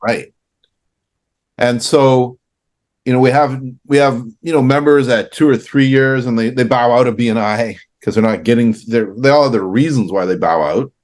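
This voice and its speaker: A man's voice: medium pitch, normal speed, a little mellow. A man from Canada co-hosting a casual business chat, talking loosely with fillers and restarts. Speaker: co-host.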